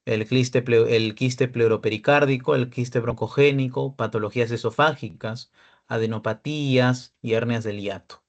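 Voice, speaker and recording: A young adult man gives a radiology lecture as a peer tutor, taking students step by step through image examples. His ordinary-pitched voice is rough and gravelly, with fairly even intonation and a moderate pace, and the highs are cut off. He explains carefully and keeps checking in with "¿ya?" and "¿no?".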